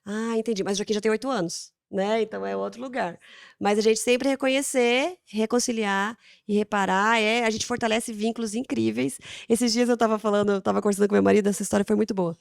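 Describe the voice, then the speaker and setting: Fast-talking Brazilian woman, dry sound. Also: medium pitch, gravelly, dry recording. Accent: Brazilian Portuguese. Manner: animated, acts out dialogues with her children. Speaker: guest on parenting podcast. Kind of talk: casual conversational answer.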